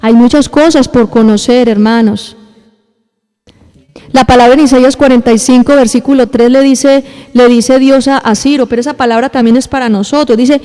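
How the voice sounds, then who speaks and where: A woman pastor delivers a sermon and turns often to the congregation, telling them what to say to the person beside them. Her voice sits high. A long church reverb trails behind every phrase. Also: darkish tone. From Colombia. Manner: addresses the congregation directly, acts out little scenes. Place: church hall.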